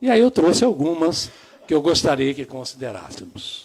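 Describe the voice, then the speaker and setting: A man is speaking. His pitch swings very widely. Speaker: spiritist lecturer. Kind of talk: lecture. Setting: live stream.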